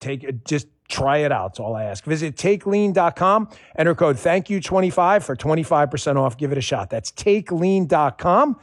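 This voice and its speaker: A man's voice: a little high, expressive, moderate pace, few pauses, dry recording, studio quality. A man as a radio host giving a casual, persuasive sponsor endorsement. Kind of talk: conversational sponsor read.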